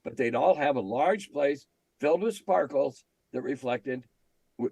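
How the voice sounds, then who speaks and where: A man's voice: medium pitch, expressive, a little slow, gravelly, a little mellow, husky, dry recording. An older American man answering in a conversational interview, telling stories and stressing his opinions with emphatic repetition. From United States. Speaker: interview guest, veteran game designer and editor.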